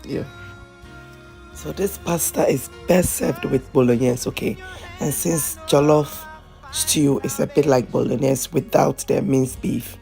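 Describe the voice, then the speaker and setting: Hoarse woman, gravelly low voice, chatty cooking host, soft music behind. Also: fairly even intonation, unhurried. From Ghana. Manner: chatty, repeats phrases, asks "okay?" often. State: hoarse from a flu. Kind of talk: casual cooking tutorial.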